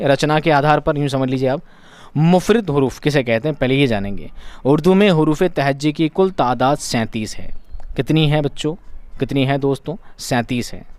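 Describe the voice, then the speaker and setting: A man's voice: on the high side, clean tone, no echo. A man teaching an exam-prep lesson, asking questions and answering them himself, repeating key terms for emphasis.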